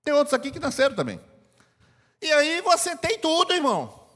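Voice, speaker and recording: High-voiced older Brazilian pastor in reverb. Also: male voice, huge pitch swings, moderate pace, bright, forceful tone. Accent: Brazilian Portuguese. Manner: conversational preaching, repeating phrases for emphasis. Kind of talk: sermon. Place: church hall. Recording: long church-hall reverb.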